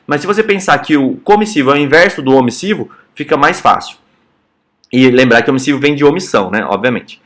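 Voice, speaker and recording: A man's voice: fairly high pitch, a bit bright. A young Brazilian man teaching criminal law in a casual, explanatory lecture style, often checking in with his students. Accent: Brazilian Portuguese. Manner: conversational, checks in with "tá?" and "certo?".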